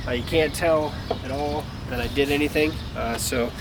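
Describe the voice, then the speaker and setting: A man's voice: mid-range voice, steady tone, normal speed. A man giving a casual, hands-on how-to in an informal, folksy way, talking as he works. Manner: informal, folksy, talks while working. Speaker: DIY car tutorial presenter. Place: garage, working around a vehicle. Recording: clearly noisy garage camera recording.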